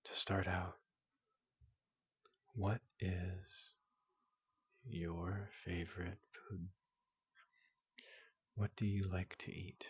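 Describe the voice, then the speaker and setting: Guy doing a big gentle robot doctor for asmr, super low n slow, breathy half whisper, polite and calming. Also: dry recording, full character voice. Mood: gentle, inquisitive. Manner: slow, gentle, reassuring, repeats questions softly. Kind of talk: ASMR roleplay, hushed and soothing.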